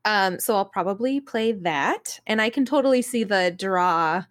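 A woman's voice: mid-range voice, expressive, normal speed. A woman co-hosting a podcast in casual chat, talking in an informal, conversational way. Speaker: podcast co-host and games writer.

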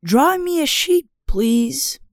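A small golden-haired boy with a soft, persistent way of asking. His voice rises and falls with lively shifts, and he speaks unhurriedly. The recording sounds close and dry. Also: very high voice, slow pace, no echo, voice pushed up, exaggerated voice. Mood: pleading. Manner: gentle, persistent requests. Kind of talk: storybook reading.

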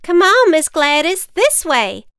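Woman doing an excited little farm girl. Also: very high-pitched, slow pace, no room sound, studio quality, pitched above the performer's own voice, heavily acted. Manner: eager, excited.

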